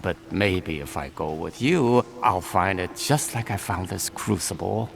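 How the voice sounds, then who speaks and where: A man's voice: low-pitched, measured pace, creaky. An actor playing an eccentric, cheerful old male jeweler in a video game, stammering and chuckling as he talks. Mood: fussy, chuckling. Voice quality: giggly, stammering, fussy.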